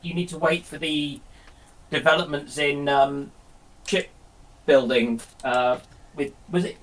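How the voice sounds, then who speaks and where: Higher-pitched man chatting casually. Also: steady tone, slow pace. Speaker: panelist. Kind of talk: casual discussion.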